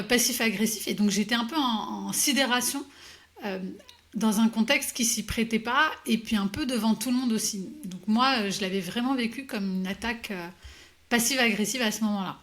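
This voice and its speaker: A woman coach as an interview guest, telling her story hesitantly with many pauses and restarts. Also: fairly high pitch, a bit bright. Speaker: executive coach, podcast guest. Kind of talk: conversational interview answers.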